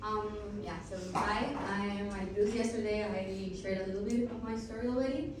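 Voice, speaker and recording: A woman's voice: mid-range voice, steady tone, fairly quick, background noise. A woman, telling her personal story as a patient on a panel, chatty and full of fillers. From Costa Rica. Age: 20s. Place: conference hall. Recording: echoey hall from far off.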